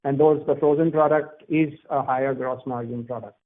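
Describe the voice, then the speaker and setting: A man's voice: mid-range voice, fairly even intonation, moderate pace. Businessman on a muffled phone line. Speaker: company executive answering analysts. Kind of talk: earnings call question and answer. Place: conference phone call.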